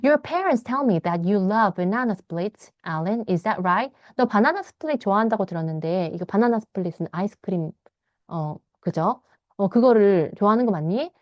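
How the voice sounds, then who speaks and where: A Korean woman teaching English by reading a novel aloud. She reads English lines slowly and explains them in fast Korean, sometimes acting out the characters in a higher voice. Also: lively intonation, no room sound, lo-fi sound. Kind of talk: bilingual read-aloud lesson, explaining a novel.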